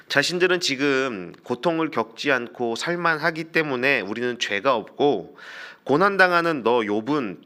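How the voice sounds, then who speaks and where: A male pastor giving a morning prayer sermon, explaining scripture in a measured, conversational way with frequent filler sounds. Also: mid-range voice, bright, forceful tone, smooth.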